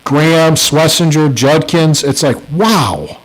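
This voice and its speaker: A man's voice: fairly high pitch, slow pace, low-quality recording. A middle-aged man co-hosting a casual sports podcast, telling stories in a heated, profane way. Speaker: podcast co-host.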